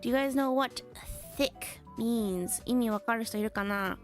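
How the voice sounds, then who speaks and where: A woman with a high, light voice teaches English vocabulary on a stream, switching between slow, deliberate English and quick casual Japanese. She answers chat with easy laughs, and faint music plays behind her. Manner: chatty, laughs often, reads chat comments. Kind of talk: bilingual English lesson stream.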